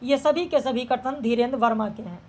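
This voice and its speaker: A woman teacher with a fairly high, darkish voice runs through exam practice questions. She reads each one aloud and checks the answers in a brisk, matter-of-fact manner.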